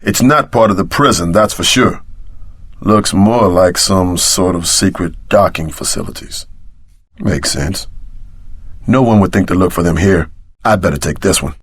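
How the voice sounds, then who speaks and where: An actor playing a tough, streetwise, wisecracking action sidekick in a video game, with a husky voice and gruff, slangy delivery. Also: male voice, low-pitched, measured pace. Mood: calm, matter-of-fact.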